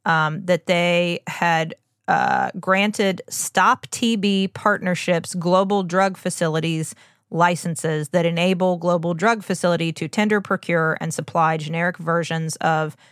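A woman's voice: fairly low pitch, steady tone, measured pace, clean tone, no echo, studio quality. A woman hosting a podcast as a doctor, explaining in an earnest, informal way with emphatic asides. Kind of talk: conversational explainer on medicine.

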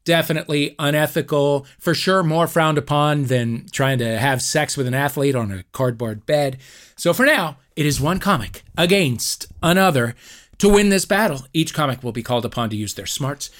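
A man's voice: a little high, lively intonation, moderate pace, a bit bright. A man hosting a comedy panel podcast, moving between mock-grand announcements and dry, playful asides. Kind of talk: comic game show hosting.

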